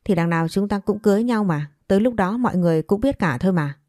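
A woman's voice: mid-range voice, animated, quick pace, a little mellow, dry recording, studio quality, close to an everyday voice. A woman reading the part of a scheming, defiant stepmother who argues back. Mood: quarrelsome. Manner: argumentative, defiant.

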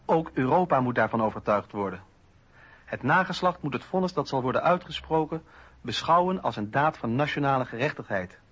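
A man playing a solemn, idealistic eighteenth-century revolutionary philosopher in a radio docudrama, speaking in measured, formal oratory. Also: mid-range voice, expressive, a bit bright, husky, dull audio. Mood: grave, resolute. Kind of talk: radio docudrama, oratorical reading of historical texts.

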